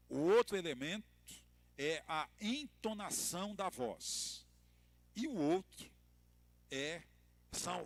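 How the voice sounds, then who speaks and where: Brazilian pastor with a slightly high voice. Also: male voice. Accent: Brazilian Portuguese. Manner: storytelling, expressive emphasis, light humor. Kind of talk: church lecture to couples.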